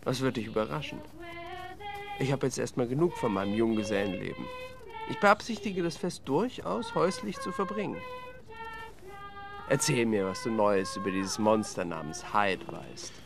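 An actor playing a worldly younger bachelor gentleman, breezy and genteel, in a German radio play. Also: lowish voice, animated, normal speed, creaky. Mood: teasing. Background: music.

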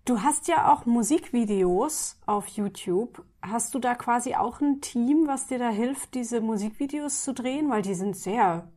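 A woman's voice: a little high, expressive, a little slow, hardly any pauses, mellow. A woman hosting a podcast, interviewing in a casual, chatty and informal way. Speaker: podcast host.

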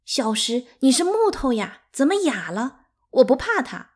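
A woman's voice: on the high side, huge pitch swings, brisk, husky, pitched above the performer's own voice, full character voice. A woman reading aloud, voicing an upset little girl who speaks tearfully and indignantly.

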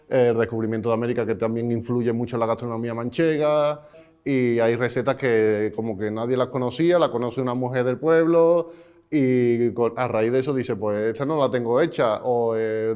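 A man's voice: mid-range voice, darkish tone, clean tone. A chef in his thirties from Seville, speaking in an interview with frequent restarts, recorded on a lapel mic in a restaurant. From Seville, Spain. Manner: thoughtful, restarts often. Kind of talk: interview talk.

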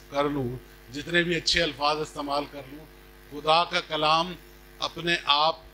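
A middle-aged man preaching a sermon in a measured, deliberate manner, speaking into a podium microphone. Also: on the high side, pushed and bright, a little hiss or hum, poor audio. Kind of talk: sermon with scripture reading. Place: stage at a church gathering. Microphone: podium microphone on a stand.

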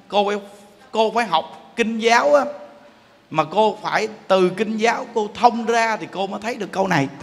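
Speaking in a high-pitched, fairly bright tone, a Southern Vietnamese Buddhist teacher preaches with emphasis and playfulness, frequently asking his listeners rhetorical questions. The recording has long hall reverb plus a slight hiss or hum.

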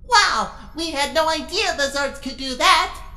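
An eager little robot helper in a radio play. The voice is very high and bright, chirpy and excitable, swooping about. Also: female voice, unhurried, soft background music, exaggerated voice. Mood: excited.

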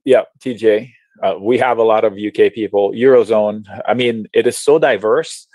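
A man from Lebanon, an options trading educator, explaining charts on a video call in a chatty, animated way with slang and frequent restarts. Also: lowish voice, normal speed, no room sound. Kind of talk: casual webinar explanation while sharing charts.

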